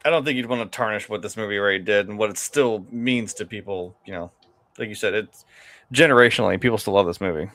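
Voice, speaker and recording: A man's voice: fairly low pitch, fast talker, a bit bright. A man chatting casually about films as a co-host, in a conversational way with trailing asides. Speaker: film review show co-host.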